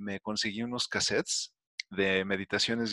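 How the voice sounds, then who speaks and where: Bright and sharp in tone, a man talks at a moderate pace in a dry, close sound with no echo, on a very clean recording with a silent background. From Mexico. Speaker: meditation teacher. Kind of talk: interview.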